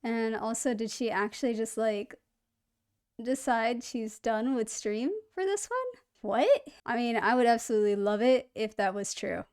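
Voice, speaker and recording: A woman's voice: on the high side, expressive, unhurried, a little mellow, clear, resonant tone. A woman hosting a reaction video, chatting casually in an upbeat, rambling way and poking fun at herself.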